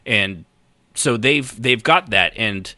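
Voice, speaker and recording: A man's voice: on the low side, lively intonation, slow, bright, forceful tone, no room sound. A man co-hosting a podcast in casual banter, blunt and joking in the way he talks. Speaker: podcast co-host.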